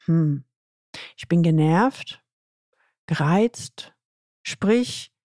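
A woman's voice: on the low side, expressive, drawn-out words, mellow, no echo, studio quality. A woman voicing a stressed, frustrated female executive with tense, exasperated complaints, in a plain reading voice. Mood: reflective.

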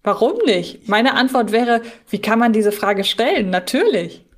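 A woman's voice: on the high side, animated, a little slow. A woman co-hosting a casual fan podcast, chatting in a wordy, emphatic way. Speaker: podcast co-host.

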